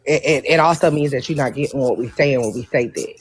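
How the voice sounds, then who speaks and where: A woman's voice: extremely low pitch, fast talker, slight background noise. A woman with an African American English accent talks on a live panel. She is blunt and impassioned, stressing her points by repeating phrases in casual speech. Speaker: panel speaker.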